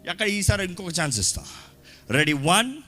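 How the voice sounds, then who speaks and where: Male pastor, high lively voice, bursts of shouting, live church sermon recording with music under it. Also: moderate pace. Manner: shouting, mixing Telugu with English phrases. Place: church hall.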